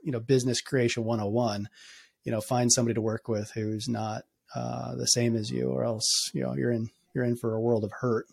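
A man talking as a guest on a podcast interview, energetic but halting, often restarting his sentences and filling pauses. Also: medium pitch, creaky, breathy edge. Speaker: podcast guest, company founder.

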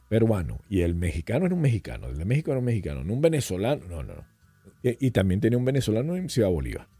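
A middle-aged man speaks as a podcast guest, casual and full of stories, his low voice rising and falling a lot as he slips into quick impressions. The tone is dark and mellow with a husky edge, recorded dry and close with a little music underneath. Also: no room sound. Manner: animated storyteller who slips into voices and accents. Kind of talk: casual conversational storytelling.

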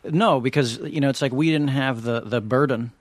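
A man's voice: medium pitch, moderate pace, dry recording. A man co-hosting an interview in casual chat, blunt and given to swearing. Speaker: co-host interviewer.

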